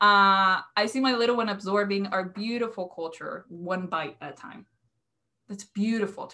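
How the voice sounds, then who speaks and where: A Spanish accent over a quiet background. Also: woman. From Colombia. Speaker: mental health counselor; presenter. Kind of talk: webinar presentation. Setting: video call. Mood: warm, moved in last clip. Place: home room. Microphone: webcam.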